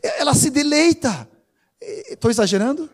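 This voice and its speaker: A man, preaching a sermon as pastor, animated and teasing, with informal asides. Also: very high voice, moderate pace.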